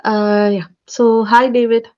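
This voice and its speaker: A woman's voice: on the high side, level tone, takes it slowly, a little mellow. A woman running an online onboarding meeting for interns, polite and hesitant, with many fillers. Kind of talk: online meeting, training briefing. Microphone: video call. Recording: dull lo-fi call audio.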